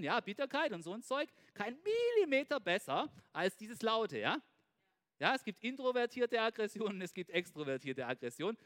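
A male preacher with a high, bright voice that swoops up and down as he talks. He preaches in a casual, animated way, turning to his listeners again and again with a quick question. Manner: animated, asks listeners "ja?" constantly. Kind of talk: informal sermon.

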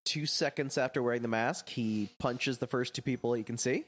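A man's voice: mid-range voice, fairly quick, slight background noise. A man talks casually as a podcast co-host, walking through scenes. He slips in wry, dry grumbles as he goes. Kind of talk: casual chat.

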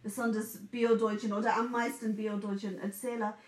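A woman in her forties from England with an English accent, chatting in German as a second language in an animated way and mixing in English words. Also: mid-range voice, normal speed, distant mic. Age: 40s. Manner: animated, mixes in English words, acts out quoted voices. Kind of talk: casual chat. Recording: echoey room, a bit off mic.

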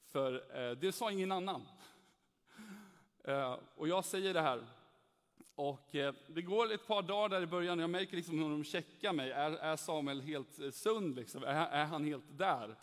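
A man's voice: fairly high pitch, fairly bright tone. A young man giving an earnest personal faith testimony, telling his story animatedly and acting out the dialogue. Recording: echoey hall reverb.

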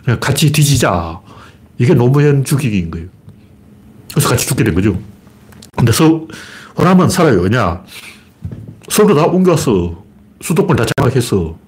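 A man's voice: mid-range voice, sing-song, moderate pace, pauses often, a little mellow. A middle-aged man hosting a solo political commentary livestream, talking bluntly and colloquially and answering his own rhetorical questions. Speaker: livestream host.

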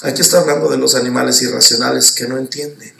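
A male preacher giving an emphatic sermon in a church hall, rising to shouts at its peaks. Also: mid-range voice, fairly even intonation, fast, vocal fry. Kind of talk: sermon with personal testimony. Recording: roomy church sound from a distant mic.

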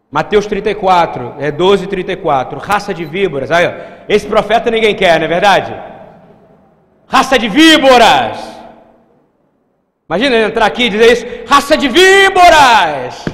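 A man's voice: high-pitched, in a large hall. A man preaching a sermon as pastor, emphatic and constantly questioning the congregation. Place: church hall.

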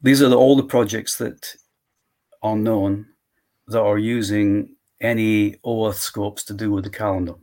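A man walking through his software tool in a live screen-share demo, thinking aloud step by step. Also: lowish voice, little pitch movement, a little slow. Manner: walks through steps aloud, thinking as he goes.

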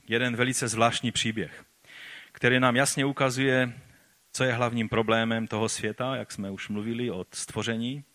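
A man preaching a sermon and reading scripture aloud, rising for emphasis and then dropping to slow, quiet lines. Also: medium pitch.

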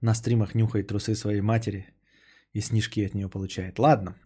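Husky, mellow-voiced man rambling sarcastically. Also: on the low side, normal speed. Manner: sarcastic, rambling, trails off into mutters. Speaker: podcast host reading donations. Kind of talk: casual stream chat.

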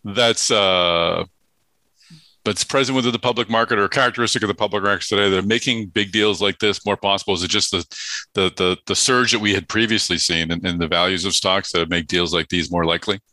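Bright-voiced male podcast host. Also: low voice, steady tone, a little fast, no echo. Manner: conversational, many fillers and restarts. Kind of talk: casual industry chat.

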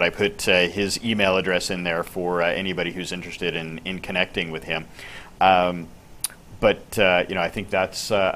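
A man on a business panel, answering with measured, agreeable remarks. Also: low-pitched, a bit bright, a little hiss or hum. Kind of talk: casual panel talk.

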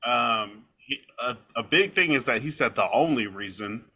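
A man talking casually on a podcast, telling a story in a rambling, lively way with many fillers. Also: medium pitch, moderate pace.

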